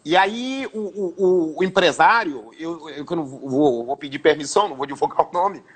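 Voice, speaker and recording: High-voiced man telling a story. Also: moderate pace, slightly rough. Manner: animated anecdote-telling with repetitions and restarts. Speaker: radio broadcaster and sports commentator, guest. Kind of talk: storytelling in a casual interview.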